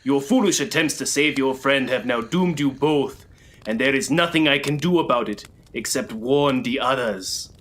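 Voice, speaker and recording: A man's voice: mid-range voice, moderate pace, fairly bright tone, natural voice. A man playing a proud, ominous jungle tribal leader with formal, portentous delivery in a radio play.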